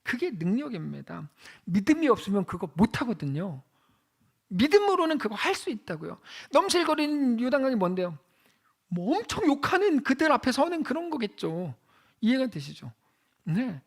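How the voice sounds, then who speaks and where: Preaching in a conversational manner, this male pastor questions his congregation and shifts between loud exclamations and hushed lines. His very high voice moves in big pitch swings at normal speed, with a creaky quality.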